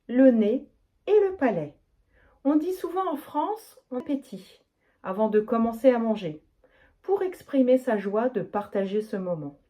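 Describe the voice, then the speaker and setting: Woman language teacher, deliberate and clear delivery, mellow tone, animated melody. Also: a little high. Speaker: French teacher. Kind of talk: teaching, reading practice answers.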